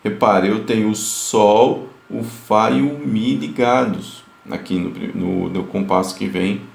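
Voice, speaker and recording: A music teacher talks through a lesson in a gravelly, fry-tinged voice, tagging his points with quick checks to his students. His words carry a noticeable echo from the room around him. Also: fairly low pitch, a little mellow. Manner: explanatory, many fillers, sings note examples.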